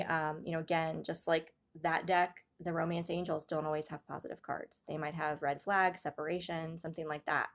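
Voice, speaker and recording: A woman giving a casual tarot reading to viewers, talking softly with many pauses and restarts, her throat a little raspy. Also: sits low. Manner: soft-spoken, hesitant, many ums and restarts, gasps in awe. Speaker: tarot reader.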